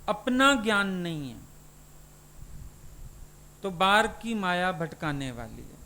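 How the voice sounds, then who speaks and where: A man's voice: high-pitched, very animated, takes it slowly, bright, forceful tone. A man, a spiritual teacher, giving a satsang sermon and putting questions to his listeners.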